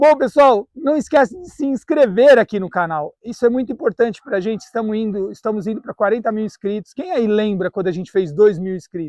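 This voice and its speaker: Quiet and high-pitched, a man talks at a fairly quick pace with hardly any pauses, lively intonation and big swings in loudness, in a dry, close sound with no echo. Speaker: YouTuber teaching carnivorous plant care. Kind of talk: tutorial. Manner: normally loud, speaking quieter on purpose; animated.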